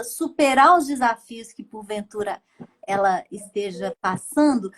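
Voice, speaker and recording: A Brazilian woman therapist hosts a live-stream chat. She explains her ideas in a measured, steady way, and her voice sits a little high. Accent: Brazilian Portuguese.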